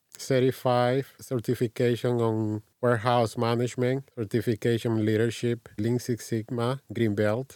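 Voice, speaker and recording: In a Dominican accent, a man speaks at a moderate pace in a monotone, flat intonation with hardly any pauses, the sound dry and close with no echo. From Dominican Republic. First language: Spanish. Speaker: corporate trainer. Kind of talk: casual chat. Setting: studio.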